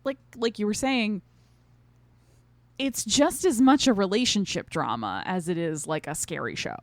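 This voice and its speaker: A woman co-hosting a podcast, chatting casually through a review in an agreeable, expressive way and thinking aloud as she goes. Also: medium pitch, a little slow, no room sound. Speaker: podcast co-host reviewing a stage play. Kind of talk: casual conversational review chat.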